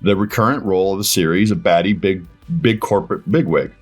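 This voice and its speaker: A man with a fairly low voice talks as a guest in a casual interview. He rambles and halts as he searches for words, often restarting his point. Soft music sits faintly behind him. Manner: rambling, halting, recounts conversations as acted dialogue.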